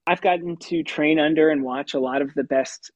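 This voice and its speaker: A puppeteer and voice actor talking through his craft in an interview, with a light, youthful tenor voice and an animated manner that breaks into laughs. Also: on the high side, moderate pace, no room sound, highs cut off. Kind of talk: conversational interview answers.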